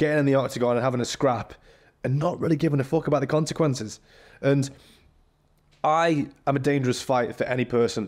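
On a very clean recording with a silent background, a man with a British accent speaks at a very fast pace and a fairly high pitch, with ordinary pitch variation, very even loudness, and long, frequent pauses. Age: 30s. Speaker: boxer and businessman. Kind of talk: casual interview. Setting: studio.

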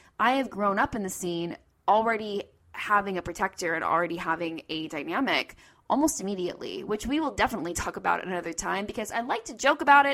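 Her pitch swings very widely as she talks. This woman keeps a fairly quick pace. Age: 30s. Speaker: submissive and podcast co-host. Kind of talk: casual banter chat.

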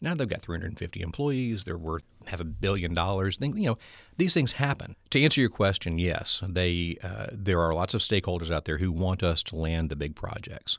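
With a Southern US accent, a man talks at a fairly quick pace in a very deep, low pitch with lively intonation, on a very clean recording with a silent background. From Louisiana. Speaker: economic development executive. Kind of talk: interview. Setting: studio.

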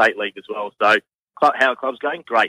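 A man talks with ordinary pitch variation. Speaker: football association official. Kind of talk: radio interview. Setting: phone call. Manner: halting, repeats words.

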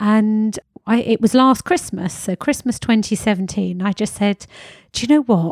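In a very clean recording with a silent background and a dry, close sound with no echo, a woman uses a normal speaking voice at a moderate pace. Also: fairly high pitch for a woman, ordinary pitch variation. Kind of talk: interview. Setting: home studio in a shed.

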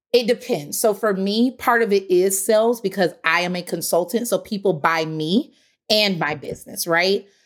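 Lively intonation at a moderate pace on a very clean recording with a silent background. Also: woman. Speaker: branding consultant. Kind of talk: casual interview.

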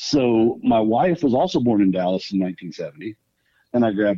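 In a Texan accent, a man speaks with lively intonation. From Texas. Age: 40s. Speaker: police officer. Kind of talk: interview storytelling.

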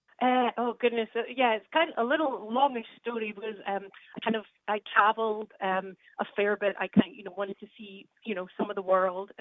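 A woman with a Scottish accent speaks at a fairly quick pace in a fairly high voice. Her intonation stays fairly even while her loudness swings widely. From Scotland, Aberdeen (North East). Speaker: art historian and exhibition curator. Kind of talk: interview. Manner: hesitant, many fillers.

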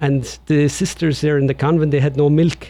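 A man with a Tipperary accent speaks at a fairly quick pace, his fairly high voice somewhat breathy with a dark, mellow tone. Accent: Irish, Tipperary. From County Tipperary, Ireland. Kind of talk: radio interview.

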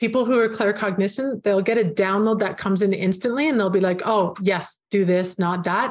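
A woman's unremarkable speaking voice in a Canadian accent, fairly quick, with ordinary pitch variation and very even loudness. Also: medium pitch for a woman. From Canada, Alberta. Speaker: yoga teacher and spiritual practitioner. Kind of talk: interview.

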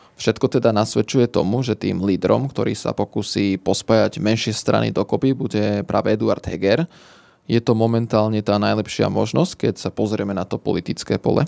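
A man's fairly low voice with vocal fry, ordinary pitch variation and a moderate pace, in a dry, close sound with no echo. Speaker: podcast host. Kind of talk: interview.

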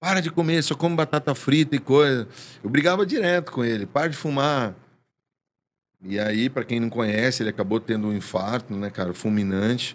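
In an ordinary speaking voice, a man talks at a fairly quick pace with lively intonation. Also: medium pitch for a man. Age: 40s. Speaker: nightclub owner. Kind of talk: casual interview chat.

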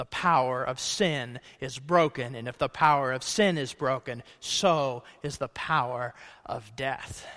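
On a very clean recording with a silent background, a man talks at a fairly slow pace and medium pitch, with ordinary pitch variation and a tone that is warm yet bright and sharp. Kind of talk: sermon. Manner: building to a rhetorical climax, direct address to the congregation.

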